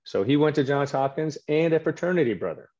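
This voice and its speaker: A middle-aged man, a native French speaker, telling stories in a relaxed way with many fillers on a video call from a home office. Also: fairly high pitch, a little fast. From Quebec, Canada. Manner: storytelling, relaxed, with frequent fillers. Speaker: orthopedic surgeon guest. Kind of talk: casual video call interview. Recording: dull lo-fi call audio.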